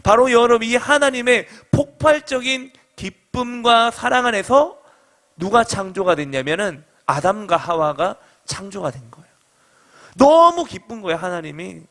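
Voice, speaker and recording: A middle-aged man preaching with fervent conviction, his voice sitting notably high for a man. He calls out to the congregation, pauses for their replies, and leads them through readings with steady energy. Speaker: pastor. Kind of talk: sermon.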